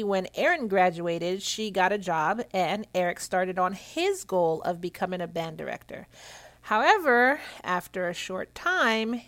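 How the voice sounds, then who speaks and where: A woman's voice: fairly low pitch, fairly bright tone. A woman hosting a podcast, chatting casually and telling true-crime stories, talking with slightly clenched teeth because of a sore cheek. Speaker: podcast host.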